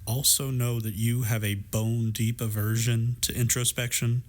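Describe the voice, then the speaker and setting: A man acting in an intimate audio drama as a warm, teasing gay best friend, speaking in a playful, affectionate and reassuring way. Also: mid-range voice, little pitch movement, moderate pace, close to an everyday voice. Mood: earnest, gentle.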